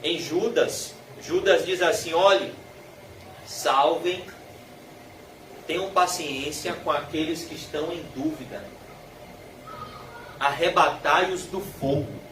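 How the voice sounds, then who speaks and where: A man with a Brazilian Portuguese accent preaching a sermon, emphatic, stretching his phrases slowly as his passion rises. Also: a little high, fairly even intonation, a bit bright, slight background noise. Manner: emphatic, drawn-out slow phrases rising in passion. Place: church hall. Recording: echoey hall, mic from far off.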